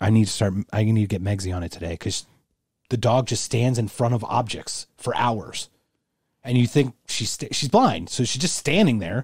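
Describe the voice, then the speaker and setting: The speech moves at a moderate pace with an animated tone. It sounds somewhat breathy. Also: man, medium pitch for a man, ordinary pitch variation. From Philadelphia, US Northeast. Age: 40s. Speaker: podcast co-host. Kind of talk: casual chat. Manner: animated, jokey.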